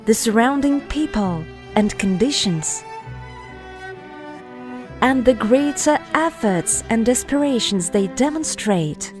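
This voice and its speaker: Slow, higher-pitched woman narrator over music. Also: a little mellow. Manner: measured, deliberate, phrase-by-phrase reading with pauses. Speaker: narrator reading an article. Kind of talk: scripted narration, spiritual video voice-over.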